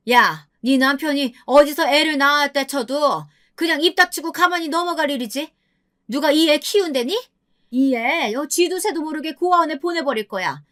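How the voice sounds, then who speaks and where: A woman playing a harsh, domineering grandmother in her seventies who barks scornful orders at her daughter-in-law. Her voice sits high and jumps sharply on every reproach in this storybook tale. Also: a bit bright. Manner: scolding, contemptuous.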